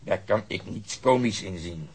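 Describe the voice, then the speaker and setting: An actor playing a gruff, sarcastic police detective in a radio drama, speaking in an exasperated, grumbling way. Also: male voice, low-pitched, normal speed. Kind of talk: Dutch radio drama acting.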